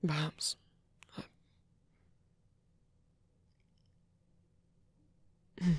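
A man playing a tired, wounded villain softening toward a lover in an intimate ASMR roleplay, breathy and hesitant, often half-whispering close to the mic. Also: dry recording, close to an everyday voice. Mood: weary, reflective. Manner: hesitant, halting, with long pauses and sighs. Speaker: ASMR voice actor. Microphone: close microphone, dry.

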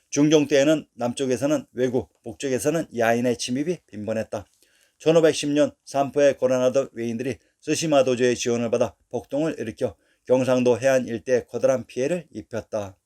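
A man giving a formal, steady scripted narration as a history narrator, reading dates and place names one after another. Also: mid-range voice.

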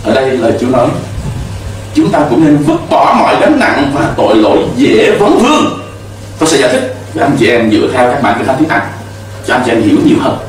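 A man's voice: mid-range voice, wildly swooping pitch, fast talker, heavy reverb, far from the mic, poor audio. A middle-aged man preaching a sermon from a church pulpit into a handheld mic, emphatic, with call-and-response to the congregation. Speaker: pastor. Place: church stage with pulpit and cross.

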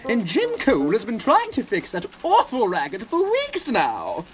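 Man putting on a snappy old lady lorry, high-pitched. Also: wildly swooping pitch, moderate pace, music in the background, heavily acted. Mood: exasperated. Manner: snapping, indignant. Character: exasperated, snappy old female steam lorry. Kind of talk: children's storybook character voice.

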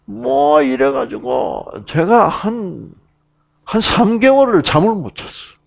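Middle-aged Bible lecturer, Gyeongsang Korean accent, gravelly voice with lively pitch, anecdotal and full of asides. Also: male voice, takes it slowly. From Gyeongsang province, Korea. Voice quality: gravelly and husky. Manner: chatty storyteller, many fillers and asides.

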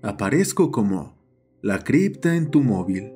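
A man's voice: on the low side, sing-song, unhurried, a little mellow. A man narrating a scripted horror story as the host of the channel. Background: background music.

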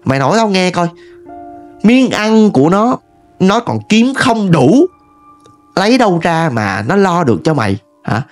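A man's voice: high-pitched, big pitch swings, measured pace, soft background music, pitched above the performer's own voice. A man voicing a furious middle-aged village mother who berates her daughter harshly, with a Southern Vietnamese accent.

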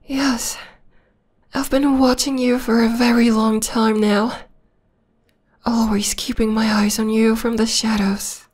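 A woman voicing a possessive, obsessed young vampire stalker in a breathy, whispery, intimate ASMR roleplay. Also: fairly high pitch, little pitch movement, darkish tone. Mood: obsessed, adoring. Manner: intimate, slow, lingering delivery. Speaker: voice actor.

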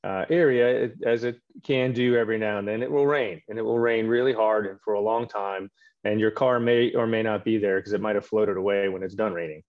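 A middle-aged man with a fairly low voice tells long stories in an unhurried, chatty way, with plenty of "uh" and "you know". He speaks over a video call from a home office. The sound comes through dull and lo-fi, with the muffled, narrow quality of a call recording. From Quebec, Canada. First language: French. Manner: storytelling, relaxed, with frequent fillers. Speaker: orthopedic surgeon guest. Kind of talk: casual video call interview.

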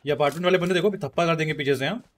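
A young man streaming a shooter game, rapidly calling out enemies and repeating warnings to his squad over a headset. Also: a little high, slight background noise. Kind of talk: casual gaming voice chat. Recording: game gunfire behind the voice.

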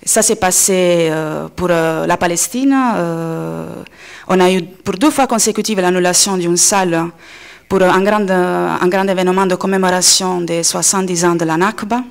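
Low, creaky-voiced Italian woman speaking publicly. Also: steady tone. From Italy. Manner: hesitant phrasing with frequent pauses and self-corrections. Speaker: coordinator of a media organisation, panel speaker. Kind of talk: conference speech, semi-improvised. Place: indoor conference panel table. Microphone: gooseneck table microphone, close.

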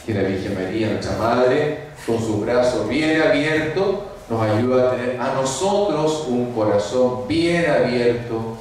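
A man, a priest giving a homily at mass and telling stories with lively acted-out voices. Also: mid-range voice, unhurried, slight background noise. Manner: lively storytelling, acts out voices. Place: large church. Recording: echoey church from far off.

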